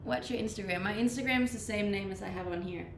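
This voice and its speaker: Chatting with viewers and reading their live comments, this young Danish streamer talks fast in a mid-range, gravelly voice. She's relaxed and laughs frequently, and her slight Danish accent carries traces of the many countries she's lived in. The echoey room has faint noise behind her.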